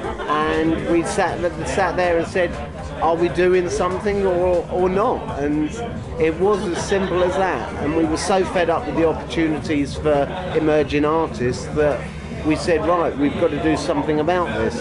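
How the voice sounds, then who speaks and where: A man's voice: on the high side, fairly even intonation, moderate pace. A man who co-founded a gallery, casually telling how it started. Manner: casual, quoting himself. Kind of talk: casual storytelling. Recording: crowd and loud music behind.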